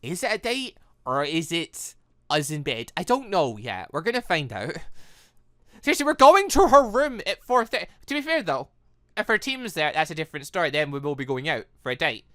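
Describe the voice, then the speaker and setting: A woman hosting a gaming video, giving casual, excitable playthrough commentary with halting exclamations. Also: low voice, dry recording, clean studio sound.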